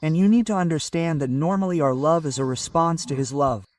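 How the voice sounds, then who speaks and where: Man, pastor, measured sermon delivery, slightly high voice, dry and a bit off-mic. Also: darkish tone, no echo, recorded from a distance. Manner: measured preaching with scripture citations.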